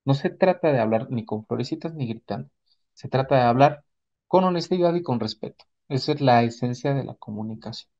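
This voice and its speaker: A man's voice: medium pitch, animated, a little fast, darkish tone, highs cut off. A man with a Mexican accent giving an explanatory talk as a psychotherapist, in a didactic manner, often checking in with short rhetorical questions. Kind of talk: explanatory talk with acted examples.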